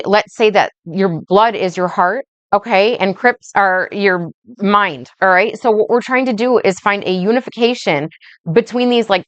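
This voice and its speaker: A woman life coach rambling through a casual vlog monologue, slow and blunt, swearing freely and checking in with "right?" and "okay?". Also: medium pitch, dry recording, dull audio. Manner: speaks slowly.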